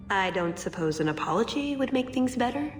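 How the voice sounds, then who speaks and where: A woman's voice: fairly high pitch, expressive, a little fast, lightly acted. A woman playing a wry, earnest elf assassin in a video game, hesitant and apologetic. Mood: wry, sheepish. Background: game music.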